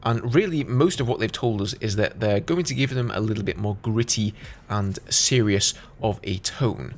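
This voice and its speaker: A man's voice: lowish voice, slight background noise. A man giving casual, conversational gaming news commentary as a YouTuber, explaining things as he goes.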